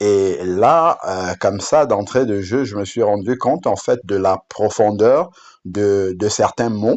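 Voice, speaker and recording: A man speaks with a Cameroonian accent at a very slow pace. The background is quiet. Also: fairly low pitch for a man, ordinary pitch variation. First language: Bamoun (speaking French). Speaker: app developer presenting a Bible app. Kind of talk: product demo / personal testimony. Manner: halting, many hesitations and repetitions.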